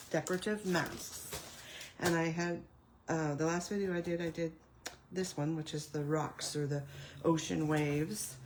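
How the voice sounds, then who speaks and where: A middle-aged woman with a raspy voice, recovering from a cough, chatting casually through a live paper craft demo and apologizing for her computer trouble. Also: lowish voice, darkish tone. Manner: chatty, apologetic, thinking aloud over tech trouble. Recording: echoey room with faint noise.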